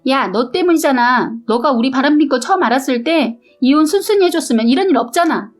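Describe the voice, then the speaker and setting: Shrill defiant mistress voiced by a woman for a read-aloud story, high and sharp. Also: lively intonation, fairly quick, faint music behind. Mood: shouting.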